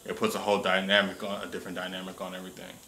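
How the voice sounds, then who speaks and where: Deep, bright-voiced man in casual chat. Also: monotone, rapid-fire. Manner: informal, agreeable interjections. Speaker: reaction show commentator.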